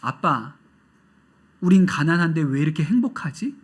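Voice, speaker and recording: A man's voice: fairly high pitch, lively intonation, moderate pace, husky. A pert little girl of eight talks back plainly as she is quoted in a church sermon, the preacher giving her lines in his own slightly raised voice. the man barely changes his tone for her. her answers come short and matter-of-fact. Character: cheeky eight-year-old girl, a pastor's daughter.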